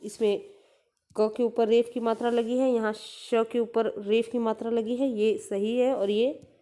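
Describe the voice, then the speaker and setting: Woman, teacher, children's grammar lesson, slow, mellow, says each word over and over. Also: on the high side, level tone. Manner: slow, repeats each word aloud for pupils; patient, explains letters and vowel signs step by step.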